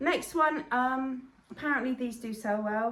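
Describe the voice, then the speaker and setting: A somewhat breathy woman with an English accent and very wide pitch swings, with audible room echo. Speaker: vintage reseller and haul vlogger. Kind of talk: casual haul video talk. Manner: fast.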